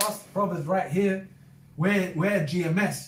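A man speaks with a high pitch and ordinary pitch variation. Audible room echo surrounds his voice. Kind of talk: casual religious discussion. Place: home room. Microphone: camera far.

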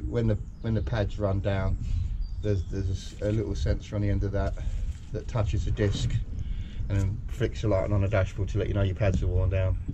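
A man's fairly low-pitched voice with ordinary pitch variation, fairly quick pace and very even loudness, over noticeable background noise. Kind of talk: tutorial. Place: garden. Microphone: phone near.

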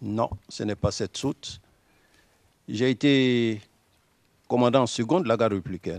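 A man's fairly slow speech with ordinary pitch variation, dry with no echo, against a quiet background. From Ivory Coast. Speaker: army general testifying as witness; witness. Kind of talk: court testimony. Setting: courtroom. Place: hall. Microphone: podium.

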